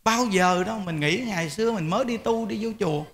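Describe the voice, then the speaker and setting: A man's voice: high-pitched, brisk, fairly bright tone. A man, a Buddhist monk, giving an informal, emphatic dharma talk to lay followers. He repeats words and often speaks to his listeners directly.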